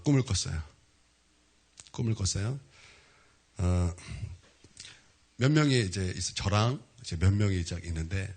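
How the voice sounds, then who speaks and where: A man preaching a sermon as pastor, telling a story vividly and with animation. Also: lowish voice.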